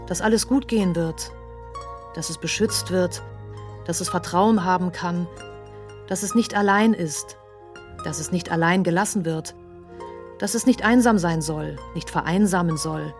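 An actress performing an outsider's literary radio monologue in short, incantatory, repeated phrases. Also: female voice, fairly low pitch, a little slow, pauses often, soft background music. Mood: pleading, tender.

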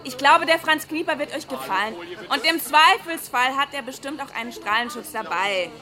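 An actress playing a young woman who leads an eco summer camp, brisk and bossy, in a naturalistic radio crime drama. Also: high-pitched, close to an everyday voice. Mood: brisk, exasperated. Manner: firm calls to herd kids, hesitant when put on the spot. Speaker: camp leader. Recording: roomy sound, music and group chatter behind.

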